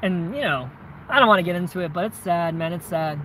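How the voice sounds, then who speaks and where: A man's voice: high-pitched, brisk, a bit bright, slight background noise, rough recording. A man with a Southern accent, a vlogger answering viewer questions in a casual, conversational way, often tagging his points with "right?" and "man.". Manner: conversational, frequent tag questions and "man", "bro". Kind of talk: casual chat.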